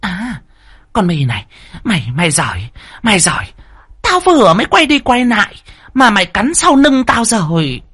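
A man's voice: a little high, sing-song, normal speed, fairly bright tone, slightly rough, no room sound, studio quality, pitched above the performer's own voice, heavily acted. A man voicing a cruel, scheming older woman who sneers and gives orders in a spoken horror story. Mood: menacing. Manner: sneering, gloating, commanding.

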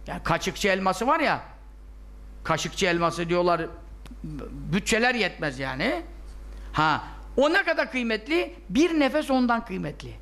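A man's voice: high-pitched, very animated, unhurried, fairly bright tone. A man giving a religious lesson in an emphatic, scolding way, full of rhetorical questions that he answers himself. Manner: rhetorical questions, acts out objections. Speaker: religious teacher.

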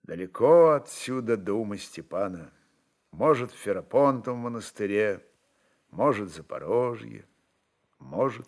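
A man narrating literary prose as an expressive storyteller. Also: mid-range voice.

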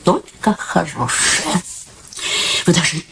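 An actress playing a sharp, cheerful elderly mother in a radio play, effusive and coaxing in an emphatic way. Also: fairly low pitch, very animated, slow pace, vocal fry, noisy background, heavily acted.

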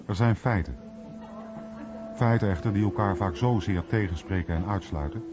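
Low-voiced male narrator over music. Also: normal speed. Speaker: documentary radio narrator. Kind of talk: scripted narration. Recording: dull lo-fi radio, music behind. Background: clear music.

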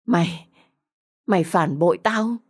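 A woman's voice: lowish voice, measured pace, husky. A woman acting a desperate, furious betrayed young woman. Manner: pleading, agitated, urgent.

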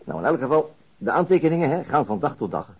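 An actor playing a stubborn, dry-humoured middle-aged police detective in a Dutch radio drama, wry and self-interrupting. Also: male voice, mid-range voice, big pitch swings, quick pace, husky. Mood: animated, wry. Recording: muffled archived radio drama recording.

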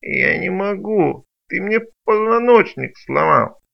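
Guy putting on a high whiny mutant creature in an audiobook, slow moany pleading, dull lo-fi sound. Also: animated, gravelly, exaggerated voice. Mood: moaning. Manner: slow, drawn-out, moaning pleas. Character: whiny battered male mutant, cowardly and pleading. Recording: dull lo-fi recording.

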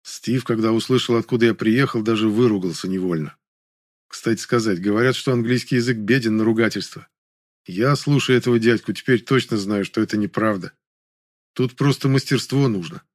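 A man narrating a first-person audiobook in a calm, even reading manner. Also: fairly low pitch, brisk, no echo, studio quality.

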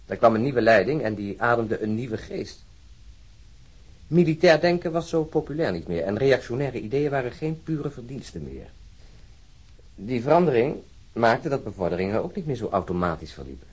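An actor playing an earnest, disillusioned police officer in a radio drama, with a husky voice and a deliberate, wryly lecturing manner. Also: male voice, mid-range voice, big pitch swings, darkish tone. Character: disillusioned, earnest male Stockholm police officer, talking at length. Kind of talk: naturalistic radio drama acting.

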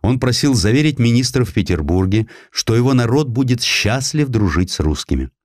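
A man reads a historical tale as scripted audiobook narration, with a dramatic, expressive storytelling delivery. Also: mid-range voice, a little fast, dry recording, studio quality.

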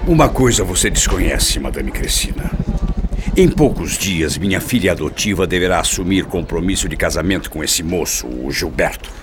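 Deep-voiced, scheming Brazilian father. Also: expressive, moderate pace, over music. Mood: controlled, calculating. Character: irate, scheming middle-aged father hiding his anger. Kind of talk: radio soap opera acting.

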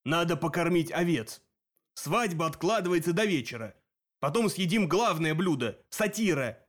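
A man voicing a huge, menacing one-eyed cyclops who talks in a slow, drawn-out growl. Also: on the high side, expressive. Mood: musing.

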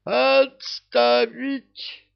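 A man reading an audiobook voices a male king of a genie army, shouting battle orders. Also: very high voice, flat delivery, extremely slow, gravelly, clear, resonant tone, dull audio, voice pushed up, heavily acted. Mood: alarmed.

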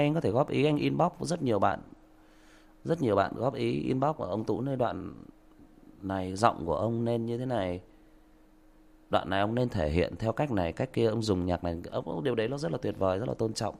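A man lecturing a commenter during a livestream, sarcastic and scolding, with sudden loud outbursts. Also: mid-range voice, vocal fry. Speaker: livestream story reader addressing a commenter. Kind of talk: livestream rant.

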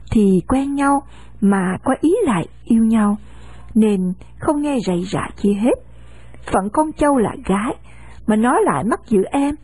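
A woman reading a novel aloud in a steady storytelling manner. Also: medium pitch, breathy edge, dry recording. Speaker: narrator.

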